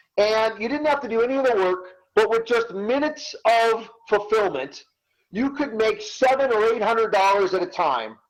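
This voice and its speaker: Energetic in tone, a man speaks in an American accent at a high pitch. His pitch varies in an ordinary way. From Boston, US. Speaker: LinkedIn marketing expert, webinar presenter. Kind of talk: webinar sales presentation. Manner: fast.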